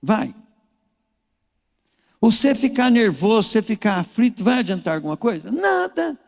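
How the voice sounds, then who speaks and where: A man's voice: high voice, sing-song, normal speed, gravelly, a little mellow. A man with a Brazilian Portuguese accent preaching a sermon in a folksy, storytelling way, speaking straight to the congregation. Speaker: pastor. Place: church hall. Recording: reverberant church hall.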